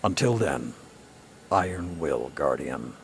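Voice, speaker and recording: Very deep gravelly old warlord. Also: male voice, very animated, slight background noise, heavily acted. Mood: stern, concerned. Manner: grave, formal, measured delivery. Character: gruff, battle-hardened old warlord, stern and brooding mentor. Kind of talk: scripted video game dialogue.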